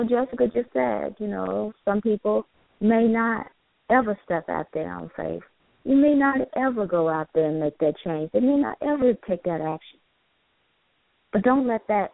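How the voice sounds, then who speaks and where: A woman's voice: medium pitch, vocal fry, no room sound. A woman co-hosting a motivational call-in show, preachy and encouraging, repeating phrases and filling with "you know". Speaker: co-host. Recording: dry tinny phone line.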